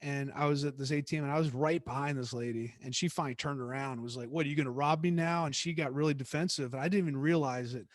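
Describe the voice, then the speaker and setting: A middle-aged man, a guest speaker, telling stories from his career in a relaxed, reflective way with frequent restarts. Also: mid-range voice, fast, hardly any pauses. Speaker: guest speaker, former theme park executive. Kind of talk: conversational class talk.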